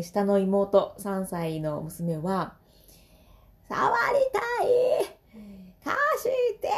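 A woman's voice: medium pitch, dark tone. A woman in her thirties with a Kansai accent, hosting a casual solo podcast and laughing often between phrases. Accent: Kansai Japanese. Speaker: podcast host and vocal trainer.

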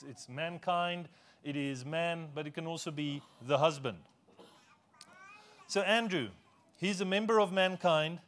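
A man with a slightly high voice, a native Afrikaans speaker, preaches to his congregation. He talks in a loose, conversational way, joking at his own expense and asking the people in the pews questions. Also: fairly bright tone. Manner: conversational, self-deprecating humor, asks congregation questions. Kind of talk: sermon. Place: church.

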